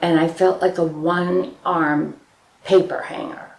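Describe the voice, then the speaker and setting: A woman's voice: on the low side, flat delivery, slow, reverberant, rough recording. A woman in her sixties, seated at home, recounting her story in a loose, matter-of-fact way for a documentary interview. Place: home living room, seated in armchair.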